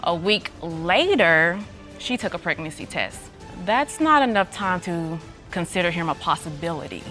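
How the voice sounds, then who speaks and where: A woman's voice: fairly low pitch, big pitch swings, normal speed, pushed and bright. A woman witness giving unscripted testimony in a TV court. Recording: TV courtroom with faint music and audience.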